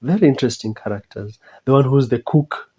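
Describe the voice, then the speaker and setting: A host gives casual reaction commentary at a medium pitch. The delivery is hesitant and halting, circling back to repeat phrases. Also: mellow, husky.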